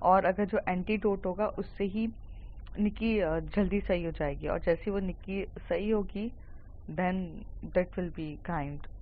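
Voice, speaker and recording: A woman voicing an angry teenage boy who speaks in a low, threatening mutter. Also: slow pace, phone-quality sound, a little hiss or hum. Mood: urgent.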